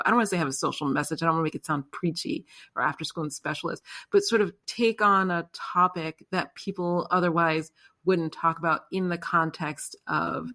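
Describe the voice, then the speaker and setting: A woman's voice: on the low side, a bit bright. Hesitant woman podcast host. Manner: hesitant, self-correcting. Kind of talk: casual interview chat.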